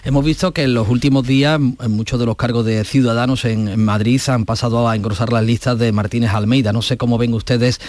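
A man's voice: medium pitch, fairly even intonation, a little fast, hardly any pauses, a little mellow, no room sound. A man working as a radio journalist, putting a question in a studio interview.

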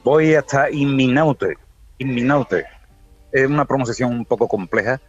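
A man's voice: mid-range voice, unhurried, faint music behind. A man in his sixties from Spain, calling in from a roadside to a radio interview. His phone line keeps breaking up, and he answers matter-of-factly, repeating words when he is not heard. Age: 60s. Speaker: guest calling in from the road. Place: outdoors by a road. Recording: dull dry phone line.

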